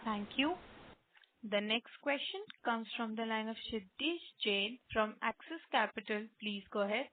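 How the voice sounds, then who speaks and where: A woman's voice: a little high, moderate pace, a little hiss or hum. Lady moderating a conference call, polite and formal, tinny phone-line sound. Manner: courteous, formal, addresses callers as sir. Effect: heard over a conference call line.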